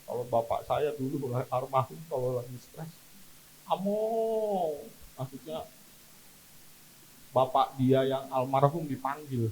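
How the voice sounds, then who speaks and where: A man's voice: medium pitch, fairly even intonation, unhurried, a little hiss or hum, rough recording. A man preaching a sermon as pastor at a church service, telling stories with emphatic delivery.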